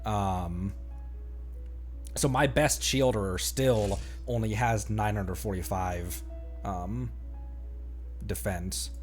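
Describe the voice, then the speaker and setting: Halting male game streamer over music. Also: fairly low pitch. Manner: rambling, halting, self-interrupting. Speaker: game livestreamer. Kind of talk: casual gaming chat. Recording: music playing behind the voice.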